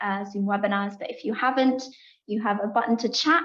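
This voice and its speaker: A woman with a British accent speaks at a fairly high pitch in a somewhat breathy voice with fairly even intonation. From United Kingdom. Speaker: head of marketing, webinar presenter. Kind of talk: webinar presentation. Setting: video call.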